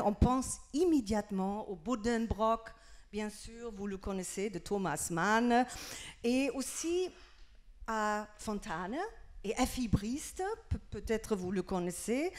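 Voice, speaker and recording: A woman's voice: a little high, darkish tone. A woman with a German accent, French not her first language, giving a prepared talk at a festival, searching for her words. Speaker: literary critic, festival speaker. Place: festival stage with audience. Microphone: handheld microphone.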